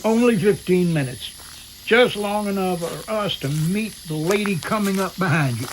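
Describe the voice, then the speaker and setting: Deadpan helicopter pilot, acted by a man, noisy recording. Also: high-pitched, normal speed, close to an everyday voice. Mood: dry, official. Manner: deadpan, matter-of-fact. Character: straight-faced, by-the-book helicopter pilot, dryly unflappable. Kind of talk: amateur audio drama acting. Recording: hissy, noisy radio-drama track with outdoor ambience.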